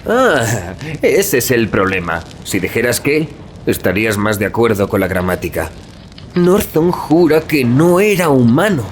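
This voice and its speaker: An actor playing a chatty, wry young student in an audio drama, conversational and gossipy. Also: male voice, mid-range voice, big pitch swings, unhurried, slight background noise. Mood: wry, intrigued. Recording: dialogue over clear background music.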